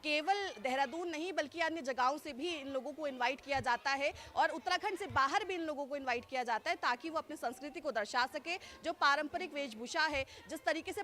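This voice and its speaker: A woman's voice: high-pitched, bright, forceful tone. A woman field reporter giving a live news report outdoors at a festival gathering, speaking fluently with frequent fillers.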